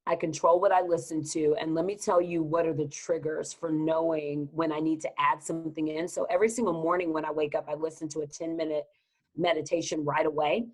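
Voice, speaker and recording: On a podcast, a guest business advisor from Texas speaks with a Southern accent and a low voice, moving fairly quickly. Her delivery is energetic, emphatic and motivational.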